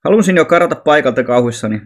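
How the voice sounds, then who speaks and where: A man from Finland reading a children's novel aloud, steady and plain, with occasional slips and restarts. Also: on the high side. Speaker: narrator reading an audiobook. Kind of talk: audiobook narration.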